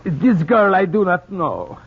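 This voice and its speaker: Russian restaurant owner, halting and husky. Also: male voice, high voice, sing-song, full character voice. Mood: distressed. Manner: halting, broken English. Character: flustered immigrant restaurant owner, deferential family man. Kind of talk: 1940s radio acting. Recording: muffled, lo-fi old radio recording.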